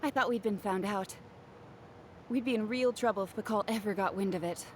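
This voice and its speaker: A woman's voice: medium pitch, fairly quick, slight background noise, natural voice. A woman voicing a kind, anxious jeweler in a video game who rambles apologetically. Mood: worried. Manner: earnest, apologetic, rambles when worried.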